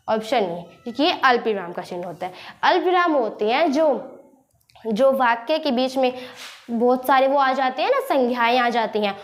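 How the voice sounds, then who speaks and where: A young woman hosting an online lesson, patiently explaining a practice quiz and often repeating herself with rhetorical questions. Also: high voice. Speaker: teacher and channel host.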